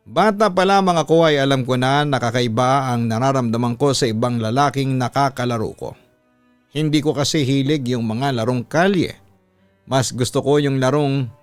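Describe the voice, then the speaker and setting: A man's voice: mid-range voice, no echo. Man, story host, scripted letter narration, dry close recording, faint music behind. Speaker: host reading listener letters.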